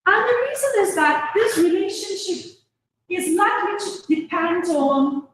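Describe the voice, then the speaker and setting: A woman's voice: very high voice, animated, unhurried. A woman from Turkey giving an academic seminar presentation as a guest university lecturer. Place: university seminar room, indoors. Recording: distant mic, very echoey room, faint noise.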